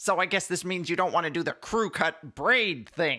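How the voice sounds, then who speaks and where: In a very clean recording with a silent background, a man uses a high-pitched, cartoonish character voice with lively intonation at a moderate pace. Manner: wry, teasing.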